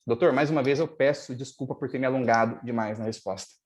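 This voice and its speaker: A lawyer speaking as a guest on a live webinar over a video call, explaining procedures step by step and at length. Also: male voice, medium pitch, fast talker. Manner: didactic, long-winded, stressing key points.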